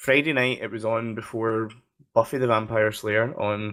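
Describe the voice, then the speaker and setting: A man speaks with a Scottish accent at a moderate pace. The background is quiet. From Scotland. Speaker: podcast co-host. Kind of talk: casual chat. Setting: studio.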